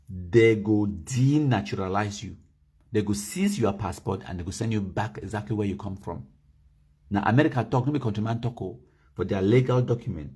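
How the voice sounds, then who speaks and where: A Cameroonian man speaking Pidgin-flavoured English on a livestream, his voice low, dark and a little husky. He slows down to read out legal wording, leans hard on key words, then turns to his viewers and asks them to type in the comments. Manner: mixes Pidgin and English, reads documents slowly and stresses key words. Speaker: livestream host. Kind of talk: live broadcast commentary, reading legal text aloud.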